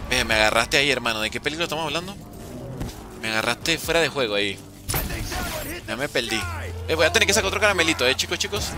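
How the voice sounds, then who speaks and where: A young man chatting jokily with his stream chat while playing, with sudden animated outbursts. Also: on the high side. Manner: jokey, reads and answers chat, animated outbursts. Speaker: gaming streamer.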